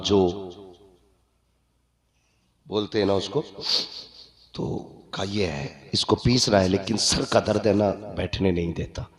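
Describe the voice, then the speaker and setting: A man preaching a sermon, telling a story, moving from hushed narration to shouted passages. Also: fairly low pitch. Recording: roomy gathering with crowd. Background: congregation responding.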